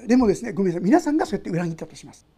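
A woman's voice: mid-range voice, very animated, racing, warm tone, breathy edge. A woman preacher giving an emotional, conversational sermon, speaking straight to her listeners.

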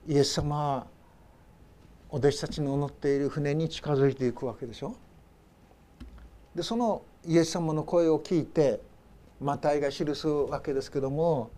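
A male pastor's Sunday sermon unfolds as storytelling: he performs the cries of the people in it and lets phrase endings fall into soft, low asides.

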